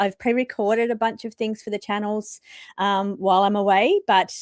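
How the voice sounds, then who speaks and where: A woman with an Australian accent talks at a medium pitch and a moderate pace. The recording is very clean and silent behind her, with a dry, close sound and no echo. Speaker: tarot reader and content creator. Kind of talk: casual chat on a live stream.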